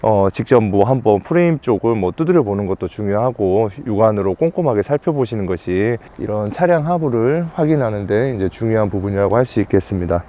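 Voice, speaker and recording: A man with a lowish, mellow, expressive voice talks briskly with few pauses, explaining things to viewers. He's a used car dealer presenting a truck-buying guide in polite, formal salesman patter, an informal explainer. Faint background noise is audible.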